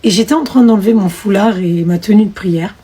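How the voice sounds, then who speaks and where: A young woman tells her personal testimony with real emotion. Her voice is mellow and a little husky, and she acts out each remembered conversation. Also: mid-range voice, fairly quick. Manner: emotional, storytelling with fillers and quoted dialogue.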